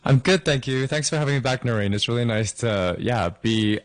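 A man's voice: medium pitch, brisk. A young man from Hong Kong, a singer-songwriter, chatting upbeat and friendly as a guest in an interview, laughing now and then. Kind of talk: casual interview over a call.

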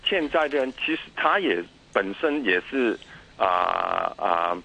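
A man with a Cantonese accent in his Mandarin, a native Cantonese speaker, giving explanatory interview answers in a halting way with many pauses and repeated words. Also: on the low side, sing-song, gravelly, pushed and bright, slightly rough, low-quality recording. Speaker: interview guest, academic.

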